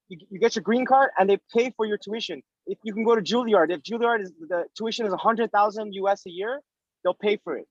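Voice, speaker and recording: A man in his thirties with a quite high voice for a male speaker answers casually as an interviewee. He explains emphatically, repeating himself and posing rhetorical questions. The sound is dry and somewhat muffled. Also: no echo. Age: 30s. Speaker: interviewee giving career advice.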